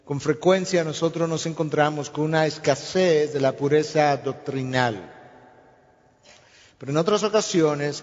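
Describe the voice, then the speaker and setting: Pastor, male, sermon delivery with acted-out dialogue, dull lo-fi recording. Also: fairly high pitch. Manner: storytelling preacher, acts out dialogue. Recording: long hall reverb, dull lo-fi sound.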